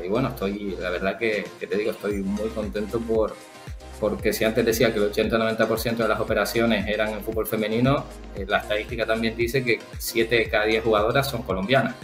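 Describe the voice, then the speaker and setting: A man from the Canary Islands with a Canarian Spanish accent, a football agent answering interview questions in a thoughtful, halting way with many fillers. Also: on the low side. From Canary Islands, Spain. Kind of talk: interview guest, casual conversation. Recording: roomy echo with faint background music.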